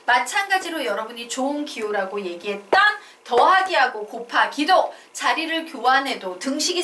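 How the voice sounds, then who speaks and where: A woman math teacher lecturing in a high, sing-song voice, asking her class questions and answering them herself. The sound is picked up from a distance in an echoey room, with clear background noise. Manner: animated, asks and answers her own questions.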